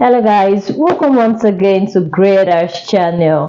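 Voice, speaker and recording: Against noticeable background noise, a woman speaks at medium pitch and a fairly slow pace with lively intonation. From Nigeria. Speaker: YouTuber. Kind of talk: vlog talk to camera.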